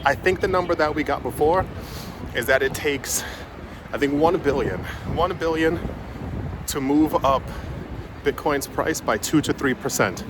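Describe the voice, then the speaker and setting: Guy vlogging while walking in the city, talks kinda low and rambly, cars going by loud enough to hear. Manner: rambling, full of "like" fillers and restarts; drops his voice to talk quietly in public. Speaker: crypto vlogger. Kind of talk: casual walking vlog. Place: outdoors on a city street with traffic. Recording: street traffic noise behind.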